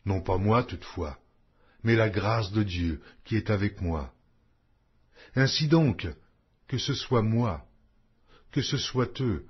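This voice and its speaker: Husky guy reading scripture, slow and measured, muffled lo-fi sound. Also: fairly low pitch. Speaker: Bible reader. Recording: dull lo-fi audio.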